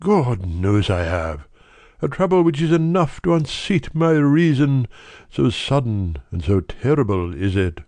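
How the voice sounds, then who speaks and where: A man's voice: medium pitch, very animated, a little slow, darkish tone, no echo. A man doing an anguished middle-aged banker. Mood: distraught. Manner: agitated, earnest, breathless pleading. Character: distressed middle-aged male banker, dignified.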